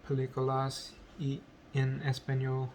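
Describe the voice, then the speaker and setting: A man whose first language is English, speaking in a halting vlog as a learner, full of pauses, ums and self-corrections. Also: medium pitch, monotone, darkish tone, slight background noise. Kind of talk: halting unscripted speech practice.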